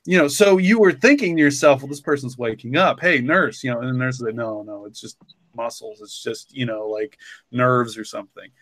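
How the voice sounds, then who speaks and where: A man's voice: medium pitch, fairly quick, a bit bright, no echo. A man talking casually and reflectively, rambling with lots of "like" and "you know". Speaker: podcast co-creator and story author.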